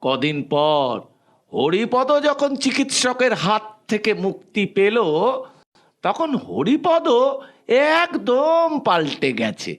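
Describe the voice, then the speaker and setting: A male narrator with an unusually high voice tells a children's story theatrically. He goes slowly with animated swings of pitch.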